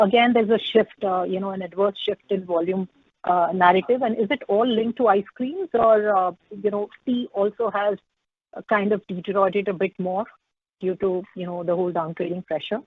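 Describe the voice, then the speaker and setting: A woman's voice: medium pitch, fairly even intonation, moderate pace, breathy edge. A woman asks questions as a financial analyst on a conference call, in hesitant, roundabout, unscripted phrasing. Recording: dry, narrow phone-line audio.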